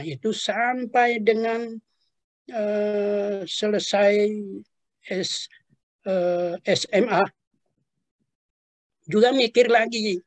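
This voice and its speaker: An older man, a retired professor, telling his life story in an unhurried interview, with fillers and trailing asides. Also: high-pitched, slightly rough, no echo.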